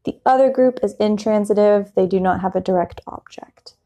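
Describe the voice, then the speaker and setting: A woman's voice: medium pitch, moderate pace, dark tone. A woman hosting an English lesson podcast in a patient, reassuring teacher voice, explaining things informally in simple words. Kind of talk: explanatory language lesson, unscripted.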